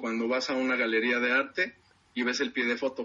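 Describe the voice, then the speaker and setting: The speaker is a man with a medium-pitched voice and a Mexican accent. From Aguascalientes, Mexico. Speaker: photographer. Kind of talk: casual interview.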